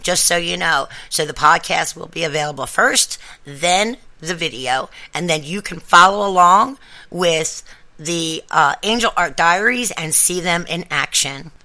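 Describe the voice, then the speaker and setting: Slow-paced woman podcaster with a bright voice. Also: on the low side. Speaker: podcast host. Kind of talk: casual podcast talk addressed to listeners.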